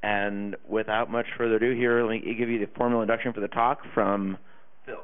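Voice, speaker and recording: A man's voice: lowish voice, level tone, fairly quick, smooth. A man hosting a conference room, reading out a sponsor announcement in a plain, read-out way. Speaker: room host. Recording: tinny phone-like conference recording.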